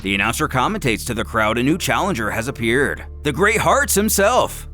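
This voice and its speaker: A man's voice: mid-range voice, very animated, normal speed, pushed and bright, faint music behind. A man delivering dramatic scripted narration in a theatrical, emphatic way, as the narrator of a fan story recap.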